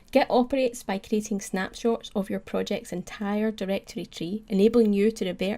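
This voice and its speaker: In a Scottish accent, a woman speaks at a fairly high pitch with a dark, mellow tone and fairly even intonation, in a very clean recording with a silent background. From Scotland. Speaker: IT trainer, conference speaker. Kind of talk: tech talk presentation. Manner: scripted, clear.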